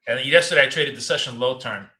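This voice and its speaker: A man's voice: medium pitch, fast talker, sharp tone, reverberant, low-quality recording. A man hosting a live trading stream from his home office. He talks in a loose, chatty way, repeats words often, and is losing his voice. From United States. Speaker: trading show host. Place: home office in a city apartment.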